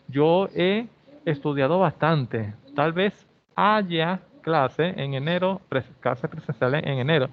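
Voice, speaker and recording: A male English teacher, explaining grammar in an online class and often checking in with "ok?". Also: medium pitch. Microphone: video call. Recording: slightly dull video-call audio.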